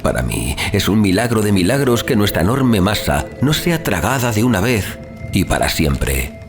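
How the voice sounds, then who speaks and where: A man narrating a horror audiobook in a measured, solemn, theatrical manner, as a dramatic scripted reading. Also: fairly low pitch, sing-song. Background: music.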